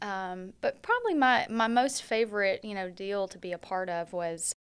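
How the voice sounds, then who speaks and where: A woman with a Tennessee accent talks at a moderate pace in a medium pitch with ordinary pitch variation, in a very clean recording with a silent background. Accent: Southern US (Tennessee). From Middle Tennessee. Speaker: sales team lead. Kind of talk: casual interview chat.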